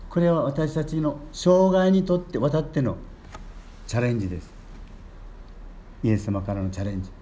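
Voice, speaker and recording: An older man, a Catholic priest giving a gentle storytelling sermon and lifting his voice on key words. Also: medium pitch, normal speed, a little hiss or hum.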